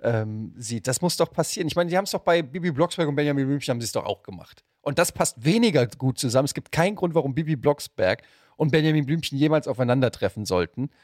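A man hosting a casual podcast, riffing with joking, excitable enthusiasm. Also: medium pitch, fast, no echo, clean studio sound. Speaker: podcast host.

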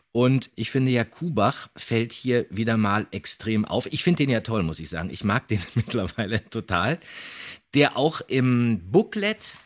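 Man, podcast host, animated casual commentary, rough-edged lowish voice, theatrical quoting. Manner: animated, anecdotal, quotes lines theatrically. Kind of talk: casual audio drama commentary.

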